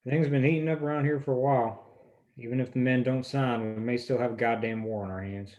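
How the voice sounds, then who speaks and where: Man playing quick, blunt small-town man. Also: medium pitch, steady tone, darkish tone, dull audio, lightly acted. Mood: grim, wary. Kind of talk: screenplay table read acting.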